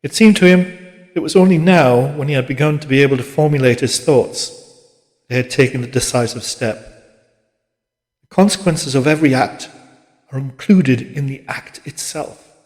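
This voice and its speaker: A man reading literary fiction as an audiobook narrator, in a measured, dramatic manner. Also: medium pitch, a little mellow. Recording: long reverberant hall-like echo.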